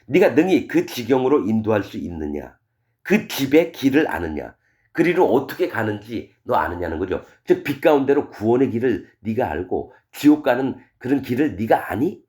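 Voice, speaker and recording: A male pastor preaching a sermon, reading verses and retelling them in plain, casual speech, full of rhetorical questions. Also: moderate pace. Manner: animated, wide swings in pitch and loudness. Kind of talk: expository sermon reading scripture.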